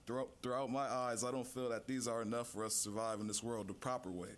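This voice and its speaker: A teenage boy, a high school senior, giving a measured prepared speech as a student speaker. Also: flat delivery. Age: teens. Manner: measured, reads list items slowly. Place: city hall chamber.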